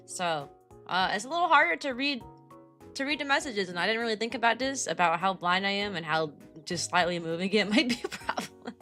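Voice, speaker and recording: A young woman streaming and chatting casually with her viewers, her voice raspy and tired from teaching, greeting viewers by name in quick bursts. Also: mid-range voice, lively intonation, bright, forceful tone, soft background music. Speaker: VTuber streamer.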